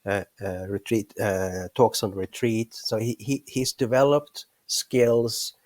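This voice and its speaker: Chatting casually in an interview, the western Norwegian monk and teacher in his fifties speaks with a Norwegian accent, pausing to search for words and chuckling often. His voice is lowish and a little mellow, slow and fairly even in intonation, with no room sound.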